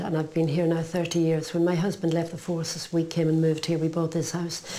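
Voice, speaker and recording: The voice has a dark, mellow tone and an Irish accent. Audible room echo surrounds it. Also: woman. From Ireland. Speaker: music lover selling items. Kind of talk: casual interview.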